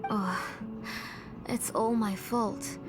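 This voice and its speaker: A woman's voice: mid-range voice, steady tone, very slow. A woman playing an anxious, protective middle-aged mother in a video game, with music under her voice. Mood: regretful. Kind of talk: English video game voice acting.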